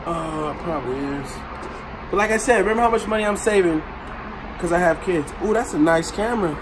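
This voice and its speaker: A man's voice: sits high, brisk. A man in his thirties joking and narrating playfully as he digs through a storage locker outdoors. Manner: playful, excitable, teasing. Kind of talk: casual commentary while sorting. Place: outdoors at an open storage unit. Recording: noisy outdoor camera audio.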